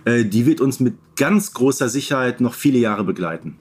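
Guy co-hosting a podcast, average pitch, casual but measured, explains stuff. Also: animated, breathy edge. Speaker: podcast co-host.

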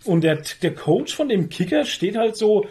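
A man's voice: sits high, very animated, moderate pace, darkish tone. A man co-hosting a podcast in casual chat, telling stories in a slangy, crude, jokey way. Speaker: podcast co-host.

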